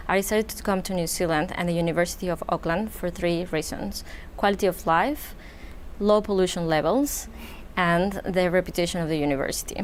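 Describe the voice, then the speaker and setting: A woman's voice: on the low side, slight background noise. A woman in her thirties from Mexico, speaking as a law alum on a panel in a composed, prepared way. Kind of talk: panel discussion.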